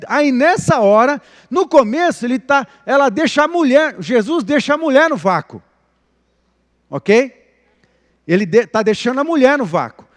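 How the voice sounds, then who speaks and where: A Brazilian pastor preaches a live sermon in a high, light voice. He talks expressively, rising for emphasis and sinking almost to a whisper. The church gives his words a long, trailing reverb.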